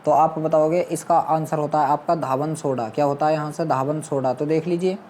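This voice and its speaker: A man's voice: a little high, steady tone, a little fast, darkish tone, a little hiss or hum. A man teaching as an exam coach, going through practice questions and answers in a repetitive, instructional way. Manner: instructional, repeats questions and answers with habitual filler phrases.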